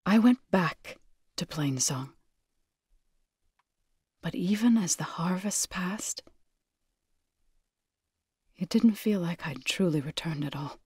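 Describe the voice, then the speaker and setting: Zo, a solemn, low-voiced tribal healer. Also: female voice, expressive, a little mellow, breathy edge, no room sound, studio quality, heavily acted. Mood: reflective, firm. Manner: measured, grave, formal phrasing. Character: earnest, solemn tribal healer woman in a sci-fi game. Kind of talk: scripted video game character dialogue.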